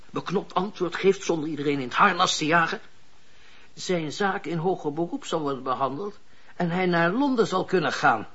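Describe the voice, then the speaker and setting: A cynical male schemer in a radio play, his voice fairly high and husky with a hard, forceful edge. He is sardonic and bossy, stressing his points on a dull recording. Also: full character voice. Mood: calculating. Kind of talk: Dutch radio drama acting.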